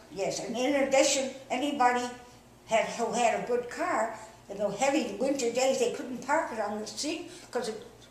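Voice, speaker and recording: A woman's high-pitched voice in an American accent, with ordinary pitch variation, audible room echo and noticeable background noise. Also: moderate pace. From Chicago. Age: 80s+. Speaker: interviewee. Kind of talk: interview.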